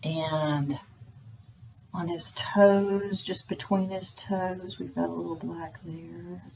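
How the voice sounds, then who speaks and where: Mumbling and somewhat breathy, a woman speaks at a very slow pace. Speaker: hobby painter. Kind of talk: painting tutorial. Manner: casual, relaxed.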